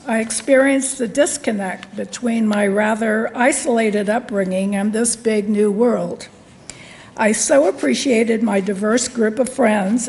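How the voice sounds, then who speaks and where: Older woman, sixties, slow measured podium speech, slightly high with a gravelly edge. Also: a little mellow, poor audio. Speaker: lecturer. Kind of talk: formal award address. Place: convention hall.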